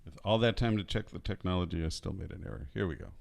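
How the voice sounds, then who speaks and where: Brief: male song leader, low voice, talks haltingly, restarts a lot, casual intro before singing. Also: vocal fry. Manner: halting, searching for words with many restarts. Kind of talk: casual spoken introduction before singing at a live-streamed study night. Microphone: home setup singing over recorded accompaniment.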